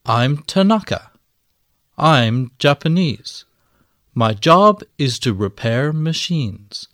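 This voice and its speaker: A man reading scripted language-lesson audio, enunciating each word slowly and clearly. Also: a little high, animated, a bit bright, dry recording, studio quality. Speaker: textbook audio reader.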